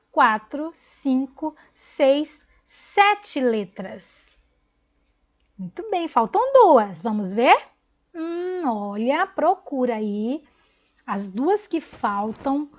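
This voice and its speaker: A woman teacher speaks slowly to small children in a high, lively voice, spelling out letters one by one and praising each answer. Her voice is recorded with dull, lo-fi sound. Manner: slow, encouraging, spells out letters and counts syllables. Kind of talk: recorded online class for young children.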